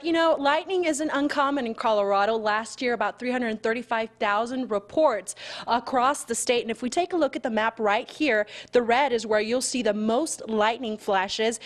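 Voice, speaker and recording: A higher-pitched woman with an American accent works as a local TV news reporter. She delivers live and packaged reports from the field in a broadcast style.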